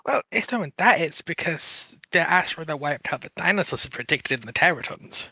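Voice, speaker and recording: A man's voice: on the high side, animated, a little fast, vocal fry, sharp tone, slightly rough, no echo, poor audio. A man debating casually on a live stream in an assertive, argumentative way.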